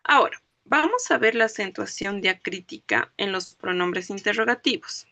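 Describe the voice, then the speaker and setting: A woman's voice: medium pitch, animated, bright, forceful tone, dry recording. A woman teaching a grammar lesson, explaining step by step and often checking that her students follow with "¿ok?". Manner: explains slowly, checks understanding with "¿ok?" and "¿no ve?". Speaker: language teacher. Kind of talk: classroom lecture.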